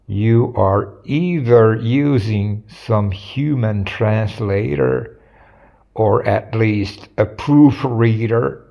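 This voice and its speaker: A middle-aged man speaks very slowly in a gravelly, fry-edged voice that sits somewhat low. The recording sounds dull and lo-fi. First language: Finnish. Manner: slow, deliberate, formal phrasing. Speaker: video blogger. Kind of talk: direct-to-camera address.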